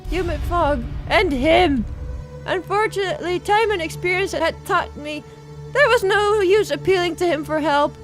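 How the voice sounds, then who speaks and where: A woman voicing a prim, long-suffering young gentlewoman who recounts her story in formal, measured visual novel narration. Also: very high voice, soft background music. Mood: prim, reproachful.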